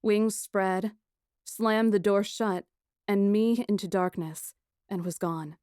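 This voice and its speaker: A woman playing a plucky, sarcastic kidnapped young woman who narrates her ordeal in a first-person audiobook, wry and expressive. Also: medium pitch, takes it slowly, clean tone, dry recording, clean studio sound, lightly acted. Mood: tense.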